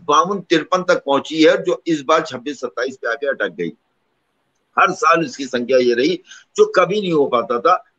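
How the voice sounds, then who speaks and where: A middle-aged man arguing his point on a debate panel, rattling off lists of names and numbers at a quick clip. His voice sits a little high for a man. The audio is muffled and lo-fi. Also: a bit bright. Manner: quick, piling up lists of examples.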